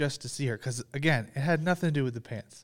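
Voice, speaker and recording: A man speaks at a medium pitch with ordinary pitch variation, in an ordinary speaking voice. The recording is very clean, with a silent background. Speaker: guest. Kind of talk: casual chat.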